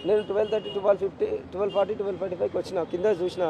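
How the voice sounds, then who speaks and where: A grieving father with a Telangana accent, giving an impassioned, halting street interview and repeating himself. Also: sits high, little pitch movement, noisy background. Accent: Telangana Telugu.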